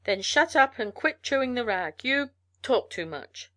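A woman's voice: a little high, sing-song, a little slow, fairly bright tone, no room sound, voice pushed up. A woman voicing a hot-tempered, resentful male gold prospector in a storybook, harsh and terse. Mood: angry, harsh. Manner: harsh, terse frontier speech. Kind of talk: storybook character voice in narration.

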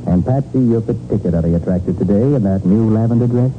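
An actor playing a shrewd, self-assured American private detective, brisk and articulate, in 1940s radio crime drama style. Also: male voice, on the low side, over music, close to an everyday voice. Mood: decisive, gallant. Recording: narrow-band 1940s radio with faint noise.

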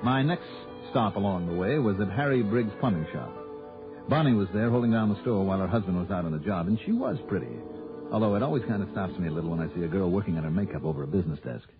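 A hardboiled, wisecracking investigator narrates quickly and dryly in a vintage radio drama. His voice sits a little low. The sound is thin and tinny, with music playing behind. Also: animated. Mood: narrating. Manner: dry, wisecracking, clipped. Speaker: narrator and lead detective. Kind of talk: 1960s radio drama acting.

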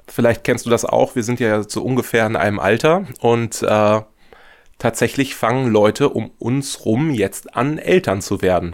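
A young man being interviewed about his audio drama, speaking in a reflective, earnest way. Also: lowish voice. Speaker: guest, audio drama author. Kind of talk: podcast interview.

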